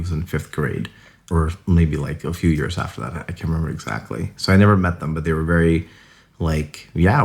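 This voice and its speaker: A man's voice: a bass voice, darkish tone. A young adult man from the United States, a podcast guest chatting casually about his family, rambling with lots of "like"s. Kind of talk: casual interview storytelling.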